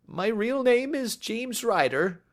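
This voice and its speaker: A man voicing a nervous, frightened little man who whines in a high, quavering voice in a storybook reading. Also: very animated, slow pace, exaggerated voice. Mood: hesitant.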